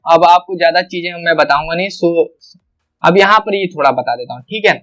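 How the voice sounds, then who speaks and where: A man with a high voice teaches an exam-prep grammar class. He explains each point step by step and says every example sound aloud, often twice. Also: a little fast, fairly bright tone.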